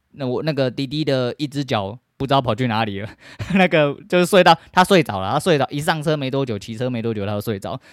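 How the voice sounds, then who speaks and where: A man in his thirties with a Taiwanese Mandarin accent, hosting a solo podcast, swearing constantly and breaking into shouts as he rants. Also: mid-range voice, lively intonation, fairly quick, no room sound, clean studio sound. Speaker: podcast host. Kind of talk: profane solo rant.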